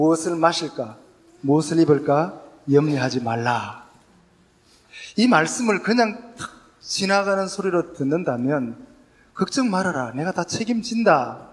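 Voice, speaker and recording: Speaking very slowly with long, frequent pauses, a man with a high voice swings his pitch very widely. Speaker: guest pastor. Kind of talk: sermon.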